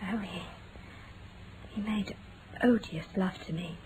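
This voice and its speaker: A woman's voice: medium pitch, takes it slowly, lightly acted. An actress playing a genteel, anxious young Englishwoman in a vintage radio drama, telling things with hesitant, dramatic phrasing. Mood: distressed, hesitant. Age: young adult. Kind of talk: 1940s radio drama acting. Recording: noisy vintage radio broadcast.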